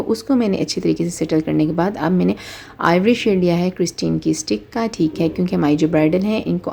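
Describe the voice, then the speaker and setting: Gravelly, mellow-voiced woman teaching makeup. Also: on the low side. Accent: Pakistani Urdu. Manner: explanatory, repeats and rephrases with fillers. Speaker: makeup artist. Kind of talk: step-by-step makeup tutorial.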